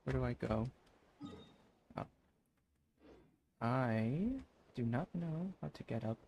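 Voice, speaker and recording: A man streaming a video game with casual live commentary, thinking aloud in a halting way. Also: mid-range voice, animated, vocal fry, darkish tone, slight background noise.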